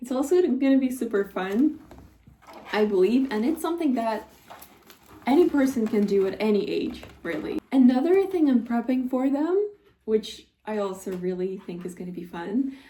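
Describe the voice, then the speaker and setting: Noticeable background noise surrounds a woman who speaks high and at a moderate pace, her pitch swinging very widely. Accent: non-native. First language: not English. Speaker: lifestyle vlogger. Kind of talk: casual vlog talk to camera. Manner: casual, hesitant with fillers and repetitions.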